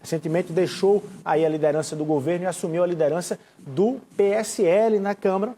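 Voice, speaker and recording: A man's voice: sits high, mellow, slight background noise. A man presenting a live political interview show as its host.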